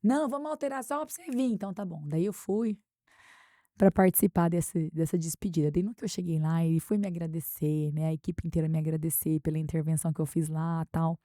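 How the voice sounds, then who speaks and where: Storytelling Brazilian woman, mellow voice. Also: low-pitched, fairly quick, no echo, studio quality. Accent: Brazilian Portuguese. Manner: animated anecdote-telling, acts out quotes. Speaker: guest expert on workplace harassment. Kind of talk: conversational interview storytelling.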